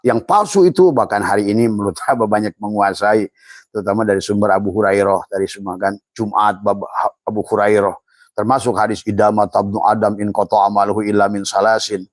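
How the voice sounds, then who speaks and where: A man's voice: lowish voice, no room sound, clean studio sound. An older man, an Islamic preacher, giving a rambling religious teaching talk with many fillers and restarts, quoting Arabic phrases.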